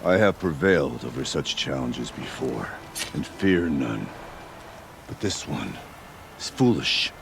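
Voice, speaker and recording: An actor playing a proud, stern tribal hunter chieftain in a video game, with a gravelly voice and a grave, commanding manner. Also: male voice, extremely low pitch, animated, unhurried, noisy background, full character voice. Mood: grave, warning. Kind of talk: dramatic video game voice acting.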